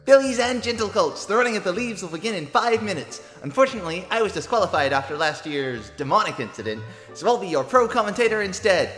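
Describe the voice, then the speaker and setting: A woman's voice: medium pitch, lively intonation, fast, fairly bright tone, close to an everyday voice. A perky cartoon party mare played by a woman, cheerfully unhinged and full of commentator hype. Light music plays behind the voice. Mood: hyped. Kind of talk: cartoon parody dub.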